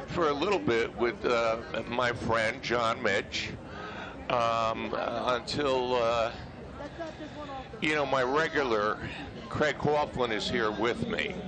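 At a very slow pace and very even loudness, the voice comes through over noticeable background noise. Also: man, ordinary pitch variation. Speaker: parade commentator. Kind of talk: commentary. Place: street.

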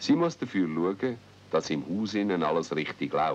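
A man with a Swiss German accent and vocal fry, at a fairly slow pace. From Switzerland. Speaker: narrator. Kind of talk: children's radio play narration. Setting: old radio broadcast taped on cassette. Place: studio. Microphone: old recording.

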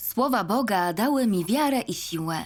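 At a very slow pace, a woman speaks with lively intonation on a very clean recording with a silent background. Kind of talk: testimony.

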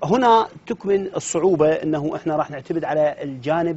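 A man with an Iraqi accent talks at a fairly slow pace and a fairly high pitch, with ordinary pitch variation. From Iraq (Baghdad). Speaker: screenwriting professor and author; screenwriting professor. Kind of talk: interview. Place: studio. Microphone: lapel.

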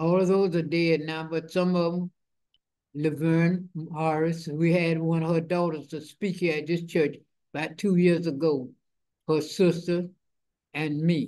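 In a quiet background, a woman speaks at a fairly slow pace in a fairly low pitch, her dark, mellow tone carrying monotone, flat intonation. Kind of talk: interview answer. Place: church. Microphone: video call.

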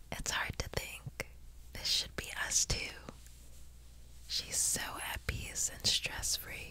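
A woman whispers very slowly, pausing often and at length. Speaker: ASMR creator. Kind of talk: ASMR narration. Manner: soft-spoken. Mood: tender, calm. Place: home room.

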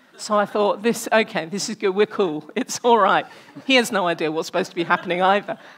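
A woman talks at a very fast pace in a British accent. Her pitch varies in an ordinary way. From United Kingdom. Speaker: diplomat. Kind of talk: public conversation with audience Q&A. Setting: stage with audience. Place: stage. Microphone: headset.

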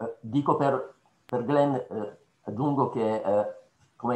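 Audible room echo surrounds this man's voice. His intonation stays fairly even. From Italy. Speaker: film critic. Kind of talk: moderated Q&A. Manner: halting. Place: home room. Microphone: video call.

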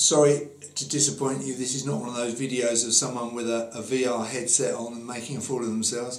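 A very fast pace with hardly any pauses, fairly even intonation, and audible room echo. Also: man. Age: 60s. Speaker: first-time gamer reviewing a VR headset. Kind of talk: casual talk to camera. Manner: hesitant, conversational. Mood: relaxed, friendly. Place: home room. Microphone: camera far.

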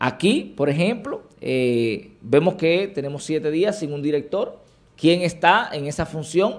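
With a Dominican accent, a man speaks at a fairly slow pace. His voice is high for a man, with lively intonation. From Dominican Republic. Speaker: political commentator. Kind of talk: panel discussion on news. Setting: studio. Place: studio. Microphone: studio mic.

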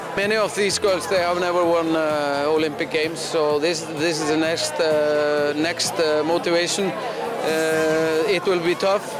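A man talks at a moderate pace over background music, the sound dry with no echo. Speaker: head coach. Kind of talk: interview answer. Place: hall. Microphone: handheld.

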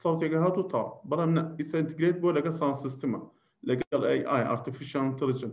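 A somewhat breathy, fairly high male voice at a fairly quick pace, fairly even intonation and hardly any pauses. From Iraqi Kurdistan, Sulaymaniyah; Iraqi Kurdistan. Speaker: tech company CEO. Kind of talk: talk; business presentation talk. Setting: live stream presentation. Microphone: webcam.

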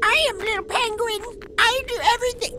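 This is a put-on character voice at an extremely high pitch. It moves at a moderate pace. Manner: cute.

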